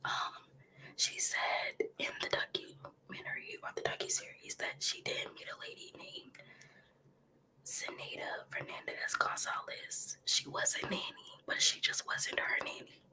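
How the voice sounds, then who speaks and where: A woman's voice: a little slow, low-quality recording. A woman, whispering her commentary on a livestream close to the mic, sniffling from a cold. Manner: soft whisper with frequent ums and likes. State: getting over a cold, sniffling. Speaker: ASMR livestream host. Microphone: close ASMR microphone.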